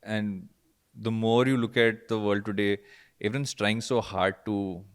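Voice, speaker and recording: A man's voice: lowish voice, fairly even intonation, measured pace, smooth. A man hosting a conversational interview, reflective and thoughtful, rephrasing his points as he goes. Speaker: podcast host.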